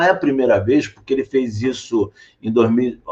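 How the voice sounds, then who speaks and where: Speaking in a medium register, a man keeps a moderate pace and varies his pitch in an ordinary way. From Rio de Janeiro, Brazil. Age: 60s. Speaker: doctor and political candidate. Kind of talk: interview. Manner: animated.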